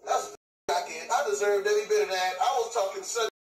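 A man's voice: high-pitched, fast talker. A man giving casual commentary while he plays a horror game. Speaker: video game player in streamed clips. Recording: echoey, distant, music behind.

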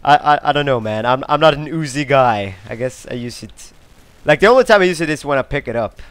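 Excitable young gamer, lively swearing. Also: male voice, mid-range voice, fairly quick, clean tone, no echo. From Sweden. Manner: excitable, swears often, sudden outbursts. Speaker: gameplay commentator. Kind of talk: live gameplay commentary.

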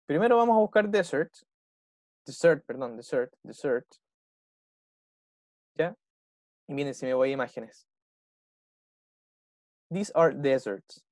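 A man's voice: fairly high pitch, big pitch swings, measured pace, long pauses, darkish tone, no echo, studio quality. A man with a Chilean Spanish accent, an English teacher who walks a class through a recorded dialogue and keeps checking in with short questions. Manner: patient, checks in with "¿ya?" and "¿cierto?" after every point.

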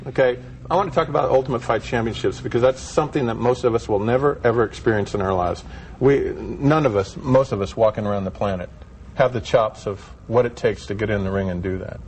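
A man with a mid-pitched presenter's voice hosts a live interview. He talks conversationally, with faint noise in the background. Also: fairly quick, darkish tone, low-quality recording. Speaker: television interviewer, host.

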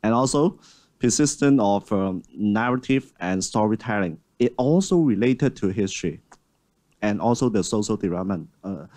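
A man moderating a panel discussion on a large auditorium stage, speaking haltingly with many fillers and restarts. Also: lowish voice, animated, darkish tone.

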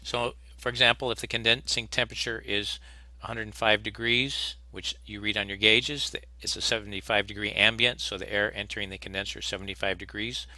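A man's voice: on the low side, steady tone, fairly quick, bright, forceful tone, no room sound. A man teaching HVAC technicians in a recorded slide lecture, plainspoken and practical, often restarting his sentences. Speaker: HVAC instructor.

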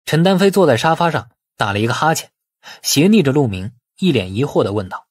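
A man narrates a novel in a husky voice with lively, varied intonation. The recording is dry and close, with the delivery of a scripted audiobook. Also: medium pitch, a little fast, no room sound.

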